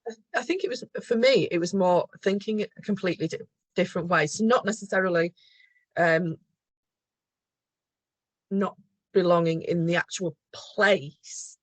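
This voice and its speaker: A woman's voice: lowish voice, moderate pace, pauses often, dry recording. A middle-aged woman from the Liverpool area with a mild Liverpool accent, guest on an interview podcast, speaking thoughtfully with frequent ums and self-corrections. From England, Liverpool area. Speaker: guest, mental health nurse.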